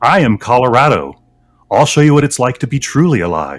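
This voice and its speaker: A man's medium-pitched voice with vocal fry and very wide pitch swings, at a moderate pace. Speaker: voiceover student. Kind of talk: reading aloud. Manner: energetic.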